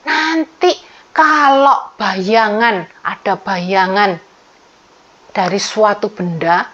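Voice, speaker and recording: A woman Sunday school teacher from Surabaya with an Indonesian accent, telling a Bible story to children in an animated way, often asking them questions and acting out the characters' words. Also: medium pitch, extremely slow. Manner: acts out characters' speech in the story. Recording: slightly dull lo-fi sound.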